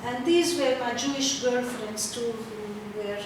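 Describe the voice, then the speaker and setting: An older woman from Czechoslovakia, whose first language is Hungarian, presents her artwork in a slideshow talk at an exhibition opening. Her fairly high voice is halting, searching for words and full of fillers, picked up from far off in a noisy, echoey hall.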